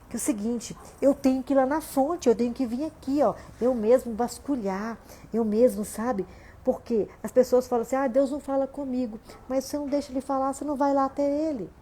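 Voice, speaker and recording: With a high, warm, husky voice and a fairly quick pace, a Brazilian woman pastor preaches from home on a livestream. She speaks with a Brazilian Portuguese accent in a conversational style, often dropping in "né?" and "gente."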